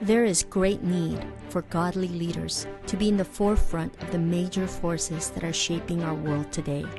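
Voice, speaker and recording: Lower-voiced woman narrating over music. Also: fairly even intonation, moderate pace. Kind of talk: scripted narration.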